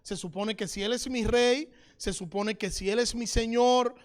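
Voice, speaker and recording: A man's voice: very high-pitched, fairly even intonation, moderate pace. A middle-aged man preaching a sermon as pastor, reading scripture aloud and addressing listeners as brother.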